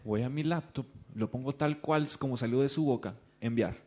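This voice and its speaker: A man with a Mexican accent and a mid-range voice speaks at normal speed, and the sound is lo-fi. Giving a business talk to an audience, he animatedly tells a story and acts out the people he quotes.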